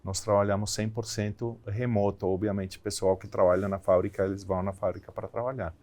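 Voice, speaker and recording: A man's voice: lowish voice, little pitch movement, fast, darkish tone. A man over his Spanish. He speaks as an executive guest in a conversational interview, repeating and rephrasing as he goes. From Colombia. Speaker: company CEO, interview guest.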